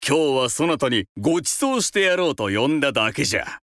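An actor playing a pompous, playful older feudal lord with an old-fashioned lordly manner of speech in a children's folk tale. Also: male voice, mid-range voice, big pitch swings, a little fast, fairly bright tone, no room sound, studio quality. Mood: jovial.

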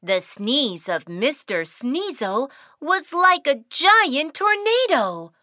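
A woman's voice: high voice, big pitch swings, takes it slowly, bright, forceful tone, no echo, clean studio sound. Sing-song woman narrating a children's cartoon. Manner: sing-song, cheerful storytelling. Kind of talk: scripted children's story narration.

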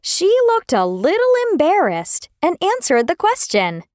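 Woman narrator, children's story, expressive and exclamatory, lively in pitch. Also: unhurried, no echo, studio quality.

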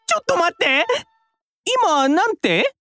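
Woman playing a young male dinosaur thief, boyish, stammering, very high, lively pitch, audio drama. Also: a little slow, faint music behind, full character voice. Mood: eager. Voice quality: boyish, eager, talks with stammers. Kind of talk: children's audio drama acting.

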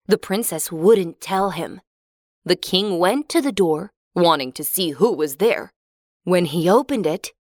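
A woman narrates a children's fairy tale in a clear, expressive storybook voice. Her pitch sits in the middle range. The recording is dry and close. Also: no echo.

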